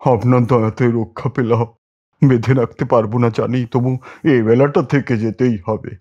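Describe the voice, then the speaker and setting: A man voicing a humble, deferential village householder in an audiobook story, with a husky voice. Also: mid-range voice, fairly even intonation, normal speed, warm tone, lo-fi sound, voice pushed up, lightly acted.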